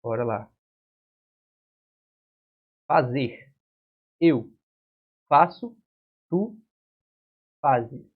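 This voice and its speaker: Male Brazilian prep teacher, mid-pitched and husky, keeps asking "right?" as he explains. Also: expressive, very slow, long pauses. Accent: Brazilian Portuguese. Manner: explains step by step with frequent "certo?" and "né?" checks. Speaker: exam-prep Portuguese teacher. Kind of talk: whiteboard grammar lesson. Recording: dull lo-fi classroom recording.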